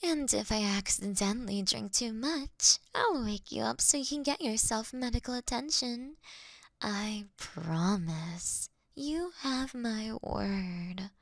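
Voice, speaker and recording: A woman's voice: fairly high pitch, lively intonation, no echo. A woman playing a courteous, doting vampire in a scripted roleplay, speaking intimately and breathily, often slipping into a whisper. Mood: gentle, grateful. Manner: slow, intimate, gently theatrical. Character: female vampire, courteous, doting, wryly confessing to her sleeping prey. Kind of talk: scripted roleplay audio for one listener.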